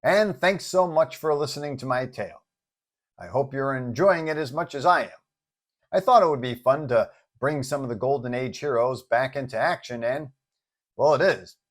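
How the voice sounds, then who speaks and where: A man's voice: medium pitch, moderate pace. A man hosting and telling a scripted superhero-style story in a dramatic narrator's delivery. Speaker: storyteller and channel host.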